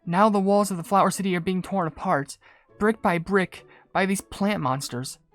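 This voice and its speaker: A man voicing a polite, earnest young female cookie traveler from a game, in a gentle storytelling way. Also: high-pitched, moderate pace.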